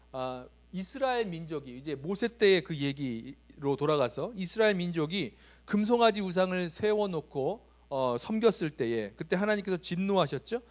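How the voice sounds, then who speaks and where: Korean pastor preaching in church, high lively voice, keeps asking the congregation questions. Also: male voice. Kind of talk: sermon. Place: church sanctuary.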